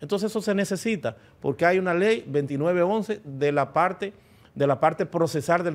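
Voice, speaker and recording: A man with lively intonation. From Dominican Republic. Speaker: lawyer and foundation president; lawyer. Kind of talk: TV interview. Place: studio. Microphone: studio mic.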